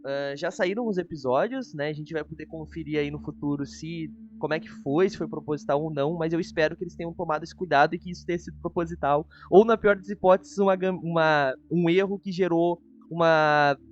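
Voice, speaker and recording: A man's voice: fairly high pitch, fairly quick, few pauses, highs cut off. A Brazilian man hosting a casual review chat, talking in an informal, chatty way. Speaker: host. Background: faint background music.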